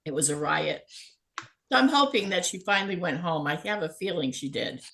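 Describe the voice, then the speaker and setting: Woman telling an animated, lower-pitched anecdote. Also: normal speed, gravelly. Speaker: spiritual healer and guest. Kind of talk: casual storytelling on a talk show.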